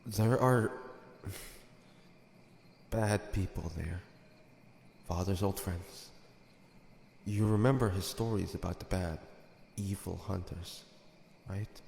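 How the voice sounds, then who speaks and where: Audio drama: male actor as gentle demon older brother, guardian type. Mellow, gravelly, soothing, drenched in reverb. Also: deep voice, slow, pauses often, full character voice. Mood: urgent, protective. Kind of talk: dramatic audio roleplay acting. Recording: echoey, long reverb, faint noise.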